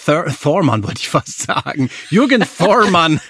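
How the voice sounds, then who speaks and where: A man's voice: on the high side, very animated, a little slow, fairly bright tone, husky, dry recording, clean studio sound. A man hosting a podcast in a jokey, casual interview style. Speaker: podcast host.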